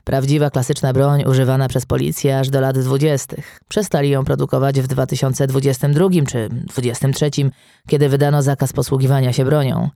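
A man's voice: medium pitch, little pitch movement, fairly quick, vocal fry, warm tone, no room sound, lightly acted. A man reading an audiobook aloud as an older male police colleague, a gun history buff, in a dry, matter-of-fact tone. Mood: fond.

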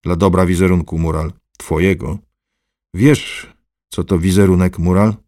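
A man's voice: deep voice, fairly even intonation, a little slow, a little mellow, no echo, studio quality. A man voicing an arrogant, domineering middle-aged man who gives orders in a haughty, sardonic way. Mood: scornful.

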